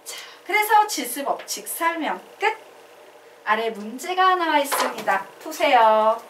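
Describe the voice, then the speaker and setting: A woman math teacher giving a classroom lecture, animated and quizzing her students as she explains. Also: sits high, a little slow, reverberant, recorded from a distance, a little hiss or hum. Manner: animated, asks the class questions and drills answers.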